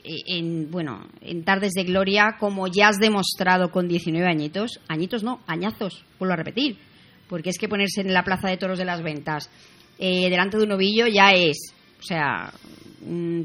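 Female host, enthusiastic and chatty, lowish voice. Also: a bit bright. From Spain. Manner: enthusiastic, effusive. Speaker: radio host. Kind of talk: casual radio chat.

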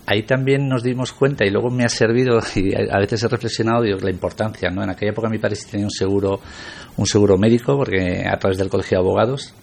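A man's voice: fairly low pitch, fairly even intonation, fast, creaky, darkish tone, slight background noise. A middle-aged man from Spain, a guest on a radio interview, talking reflectively with many hesitations.

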